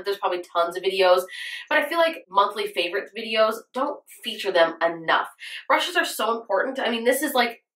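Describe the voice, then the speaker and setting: A young woman with a nasal, hoarse voice from a cold, chatting in a bubbly, gushing way as a beauty vlogger. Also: medium pitch, fairly bright tone. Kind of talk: casual chat. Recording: echoey room, mic at a distance.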